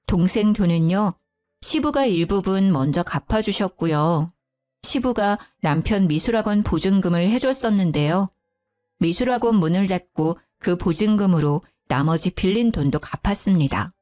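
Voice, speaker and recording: Animated woman narrating a story. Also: fairly low pitch, moderate pace, faint music behind. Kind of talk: first-person story narration.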